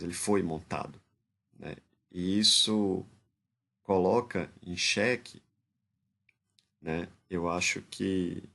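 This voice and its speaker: In informal commentary analyzing a speech, a man with a Brazilian Portuguese accent speaks in a deep, gravelly, husky voice that's a bit bright. He sounds hesitant, keeps restarting phrases, and repeatedly adds tag questions.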